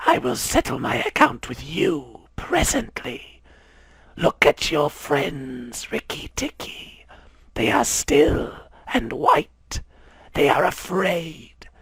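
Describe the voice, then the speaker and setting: A man voicing a vengeful mother king cobra in a storybook reading, with a hissing, drawn-out whisper. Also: fairly high pitch, wildly swooping pitch, a bit bright, no echo, voice pushed up, heavily acted. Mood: gloating. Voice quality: raspy, gravelly.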